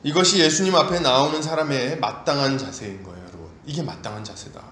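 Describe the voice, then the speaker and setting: Animated preaching man in echoey church. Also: mid-range voice, fast. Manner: animated storytelling, acts out voices, rhetorical questions. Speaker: pastor. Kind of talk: sermon. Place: church sanctuary. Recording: echoey church room, faint hiss.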